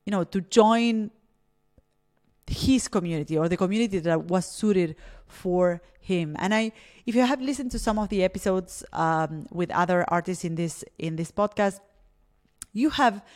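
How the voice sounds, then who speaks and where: A woman's voice: lowish voice, a little mellow. A woman from Argentina hosting a solo podcast, speaking reflectively with fillers and restarts. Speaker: podcast host.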